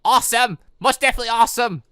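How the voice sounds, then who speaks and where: A let's player voicing an excitable, earnest teenage girl heroine from a visual novel, gushing and eager. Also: medium pitch, rapid-fire, clean tone, dry recording, clean studio sound, voice pushed up, close to an everyday voice. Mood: thrilled.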